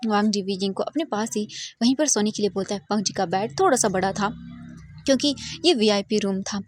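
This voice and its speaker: A woman's voice: medium pitch, a little fast, no room sound, studio quality. A woman casually narrating her own fanfiction story, chatty and mixing in English words.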